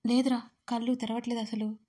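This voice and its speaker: A woman voicing a frantic young man who pleads in a rushed, panicked way for help with his sister. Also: fairly high pitch, level tone, dark tone, natural voice.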